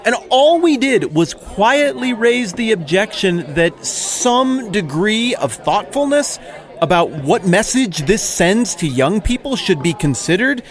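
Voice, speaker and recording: A man's voice: sits high, big pitch swings, measured pace, pitched above the performer's own voice. A man playing a self-righteous Pharisee who rants defensively and sarcastically about being wronged. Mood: indignant. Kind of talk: comic monologue in character.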